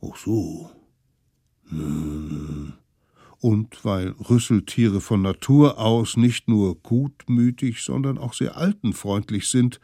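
A man narrating a children's story in a slow, expressive way. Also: mid-range voice, dry recording, clean studio sound.

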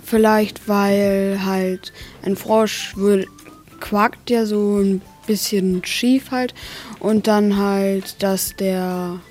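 A young woman answering casually and haltingly in an interview. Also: mid-range voice, darkish tone.

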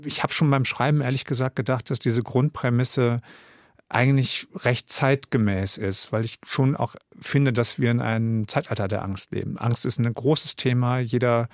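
A man's voice: mid-range voice, fairly even intonation, moderate pace, dry recording, clean studio sound. A man in his fifties from Germany, an author answering interview questions thoughtfully, with many fillers and restarts. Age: 50s.

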